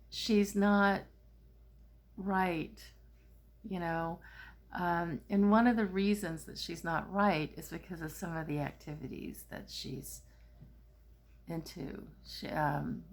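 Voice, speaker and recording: A woman's voice: fairly low pitch, vocal fry. A middle-aged woman, a spiritual therapist, telling a personal story in a casual, rambling way with many fillers and restarts.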